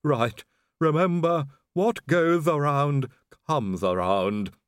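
A man voicing a gravely wounded male servant who talks in a broken working-class dialect. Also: fairly high pitch, slow, no echo, clean studio sound, voice pushed up. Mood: urgent, fading. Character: dying old male servant, dialect-speaking.

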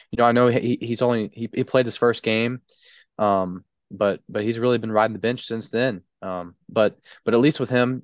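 A congested man co-hosting a sports podcast, talking in a halting way full of restarts and stutters. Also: on the low side, dry recording. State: congested, stuffy. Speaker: podcast co-host. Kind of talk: casual sports chat.

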